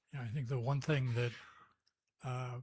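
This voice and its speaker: This man's voice sits at a medium pitch and is somewhat breathy, moving at a moderate pace with fairly even intonation. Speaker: retired professor. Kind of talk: panel discussion.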